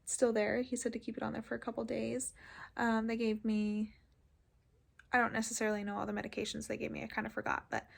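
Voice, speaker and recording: A woman talks casually about her own experience, as if in a personal vlog. Her voice has a gravelly fry and stays fairly flat in pitch. She moves along haltingly, padding her sentences with filler words. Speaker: patient vlogger recounting surgery.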